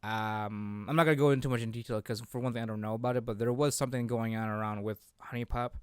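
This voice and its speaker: A man's voice: medium pitch, fairly even intonation, fast, clean tone, dry recording, studio quality. A man talking casually as co-host of a gaming discussion, a little hesitant and often repeating himself. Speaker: co-host of a video game discussion show. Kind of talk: casual chat.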